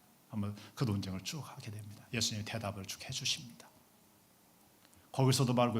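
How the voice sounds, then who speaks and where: The man's medium-pitched voice is somewhat breathy, with fairly even intonation at a fairly quick pace. Room echo is audible. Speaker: pastor. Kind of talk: sermon. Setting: church. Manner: calm, gentle delivery.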